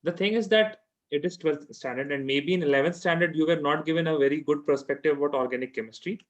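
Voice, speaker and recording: A man's voice: fairly high pitch, fast talker, muffled recording. A man with a South Asian accent teaching informally, repeating his phrases and often asking questions to check understanding. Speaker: chemistry teacher. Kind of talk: informal one-to-one tutoring.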